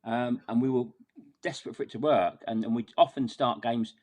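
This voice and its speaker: A man's voice: mid-range voice, steady tone, moderate pace, a little mellow. A man talking casually through a football match as a podcast guest, wordy and exasperated, often repeating words as he goes.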